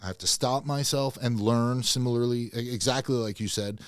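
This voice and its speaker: Loud, passionate man, podcast guest. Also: mid-range voice, fairly even intonation, moderate pace, no room sound, clean studio sound. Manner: loud, passionate, profane, emphatic. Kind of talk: casual podcast chat.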